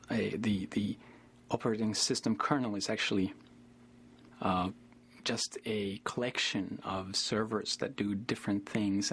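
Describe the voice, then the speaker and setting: A man talking thoughtfully with pauses in a documentary interview. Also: on the low side, breathy edge. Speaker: interviewee, kernel developer.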